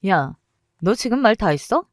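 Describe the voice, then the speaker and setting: A woman's voice: lowish voice, very animated, unhurried, a little mellow, no echo, studio quality. A woman voicing a smug, mocking former school bully who gloats and sneers. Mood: flustered, defiant.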